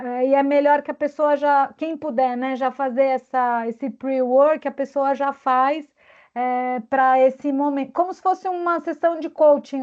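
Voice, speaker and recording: A woman coach talking casually in an online meeting, thoughtful and searching for words. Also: high-pitched. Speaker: guest speaker and coach. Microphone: video call. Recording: dull lo-fi video call audio.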